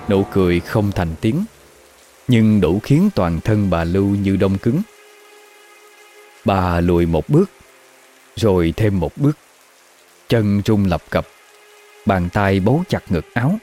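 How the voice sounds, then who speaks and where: Slow low-voiced male horror narrator. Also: expressive, mellow. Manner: slow, measured storytelling.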